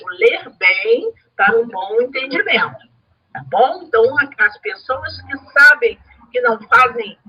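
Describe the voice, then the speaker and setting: A woman from Brazil gives an online study lesson, earnest and emphatic, and she repeats her key points. Her husky voice swings widely in pitch. The webcam recording sounds dull and lo-fi. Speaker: spiritist study teacher. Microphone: video call or webcam.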